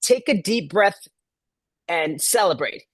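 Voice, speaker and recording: A man's voice: high-pitched, lively intonation, slow pace, fairly bright tone, no room sound. A middle-aged man from Malaysia, a guest event planner, talking casually with many ums and restarts. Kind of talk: casual interview talk.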